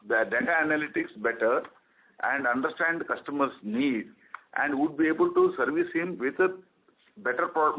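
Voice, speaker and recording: A man, a company executive answering analyst questions on a conference call, halting with many fillers. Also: fairly high pitch, slight background noise. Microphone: telephone. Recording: phone-line audio.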